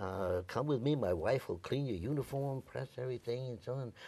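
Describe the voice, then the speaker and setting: A man with an American accent talks at a moderate pace in a medium pitch. His intonation is lively and his voice somewhat breathy. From New York. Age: 80s+. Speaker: war veteran. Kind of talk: oral history interview. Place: studio. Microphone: lapel.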